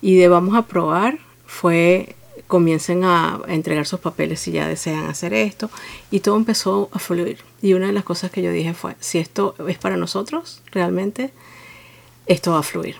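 A woman from Venezuela with a Venezuelan accent, telling her story as an interview guest in a reflective, steady way with frequent fillers. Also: fairly low pitch, moderate pace, gravelly.

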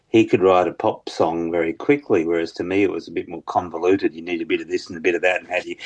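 A man with a very low bass voice, talking hesitantly as a musician guest in an interview, with many fillers and restarts. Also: a little mellow. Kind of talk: casual interview chat.

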